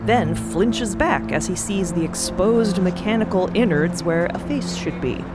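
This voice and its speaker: A woman's voice: fairly low pitch, measured pace, over loud music. A woman narrating a scripted audio drama in a dramatic storytelling style.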